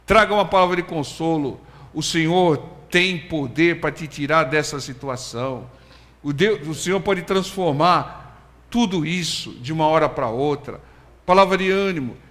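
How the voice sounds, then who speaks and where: A man preaching a sermon, emphatic, swelling to loud exhortations and dropping to quiet, earnest lines. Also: a little high, moderate pace. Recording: long hall reverb.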